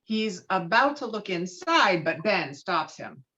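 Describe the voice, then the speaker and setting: A woman reading screenplay stage directions with dramatic, expressive delivery over a video call. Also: fairly low pitch, slow, highs cut off. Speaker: stage directions reader at a table read.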